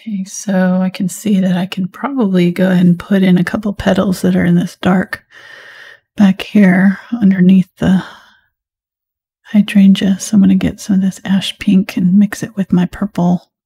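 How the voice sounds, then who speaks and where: A woman teaching a live painting tutorial, talking mostly in a soft whisper as she paints. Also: medium pitch, level tone, normal speed, husky. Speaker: painting instructor.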